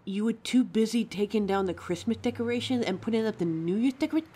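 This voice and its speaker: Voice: medium pitch, fast, warm tone, a little hiss or hum, natural voice. A performer playing a caring, anxious young werewolf partner in a roleplay audio drama, tender and fussing, stammering when flustered. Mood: worried, insistent.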